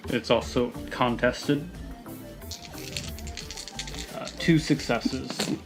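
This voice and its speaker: Medium-pitched man narrating as game master. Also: fairly even intonation, very slow, over music. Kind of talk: narrating a tabletop game scene.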